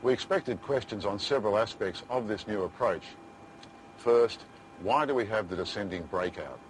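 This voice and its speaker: Over a faint rumble, a male instructor explains procedures in a lowish voice. His delivery is scripted and formal, setting out questions and then answering them. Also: expressive, moderate pace, poor audio.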